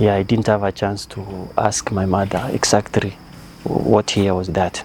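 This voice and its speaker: This man speaks with a strong Kenyan accent. His voice is fairly low, and his intonation is monotone and flat. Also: moderate pace. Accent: Kisii-accented Kenyan English, strong. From Kenya, Kisii. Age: 40s. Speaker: interviewee, accountant. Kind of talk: interview. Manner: halting.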